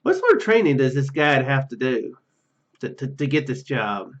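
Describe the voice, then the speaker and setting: A man's voice: medium pitch, very animated, normal speed, lo-fi sound. A man hosting a let's play, reading story narration aloud with stumbles and casual asides. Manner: stumbles over words while reading. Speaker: gaming video host.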